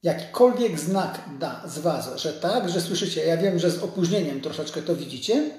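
The strong echo of a large, empty, hard-surfaced dental office surrounds a doctor in his sixties hosting an informal live stream. At normal speed, his slightly high, slightly mellow voice sounds animated as he explains things conversationally to viewers.

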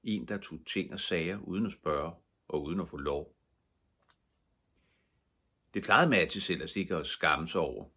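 An older man reading a bedtime storybook aloud with lively expression. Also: deep voice, pauses often, breathy edge.

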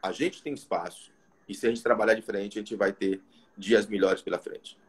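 A man's voice: lowish voice, fairly even intonation, normal speed, breathy edge. A middle-aged man with a Brazilian accent speaking as a consultant on a live video call, motivational and emphatic, in short phrases. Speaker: restaurant consultant, guest. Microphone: video call, device close in front.

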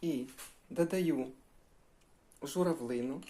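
A woman's voice: deep voice, takes it slowly, warm tone. An older woman chatting in a homely way while she cooks breakfast, addressing her viewers as girls. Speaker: cooking vlogger. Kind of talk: casual cooking vlog.

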